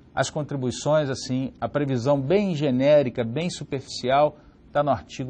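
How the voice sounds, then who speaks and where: This man has an ordinary speaking voice. He talks at a medium pitch and a moderate pace. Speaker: law professor. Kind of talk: lecture.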